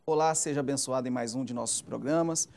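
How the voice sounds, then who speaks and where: Over loud background music, a pastor hosting a Christian TV interview program talks fast and emphatically in a mid-range, creaky voice. He turns to viewers now and then with preacherly asides.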